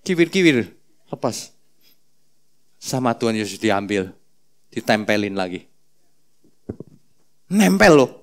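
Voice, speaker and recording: Animated, playful male preacher. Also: on the low side, slow pace, pauses often. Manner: playful, animated storytelling with asides. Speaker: pastor. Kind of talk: sermon.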